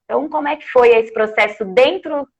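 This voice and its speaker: A woman hosting a live conversation over a video call, her voice set slightly high. She thinks out loud, circling through hesitations and restarts before landing on her question. The stream audio sounds dull and lo-fi. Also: fairly quick. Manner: thinks aloud with many hesitations. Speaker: host.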